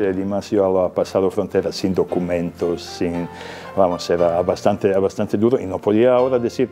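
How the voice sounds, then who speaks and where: Serbian man with a dark, low voice. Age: young adult. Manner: halting, repeats words, non-native grammar. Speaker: testimony giver. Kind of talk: personal testimony.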